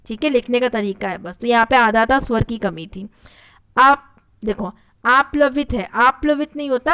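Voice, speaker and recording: Clear-voiced woman teaching Hindi spelling. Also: sits high. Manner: patient, repeats each correction with steady checks. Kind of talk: exam-prep grammar lesson.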